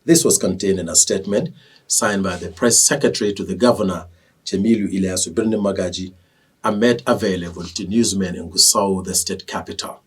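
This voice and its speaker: Low-voiced Nigerian male newsreader, slightly distant. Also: brisk, slightly rough. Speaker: television news anchor. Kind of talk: scripted news reading.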